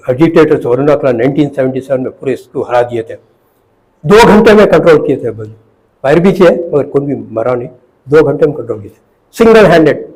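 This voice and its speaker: An older retired professor, reminiscing in an interview, halting and repeating words, mixing in English phrases. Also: male voice, mid-range voice, a little mellow, poor audio.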